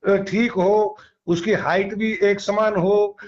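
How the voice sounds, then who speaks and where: Male company officer, high voice, methodical explainer who repeats key terms. Dull phone-call recording. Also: fairly even intonation, slow, a little mellow. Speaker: seed company training and extension officer.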